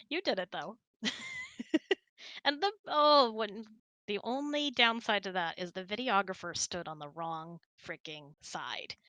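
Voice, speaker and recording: A woman's voice: medium pitch, slow pace, long pauses, sharp tone, no echo. A woman hosting, chatting casually and telling personal stories in a conversational way. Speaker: host.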